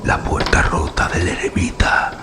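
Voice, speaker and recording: An actor playing a mad, terror-stricken nobleman in a gothic radio horror drama, halting and feverish, with a gravelly, whispery voice. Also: over music, natural voice. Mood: feverish dread. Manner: halting, feverish, breathless declamation.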